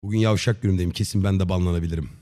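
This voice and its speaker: A man in his thirties chatting casually on a livestream in a slangy, joking, deadpan way. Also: sits low, racing. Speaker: live streamer. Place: dim indoor streaming room. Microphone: close desk microphone with headset on.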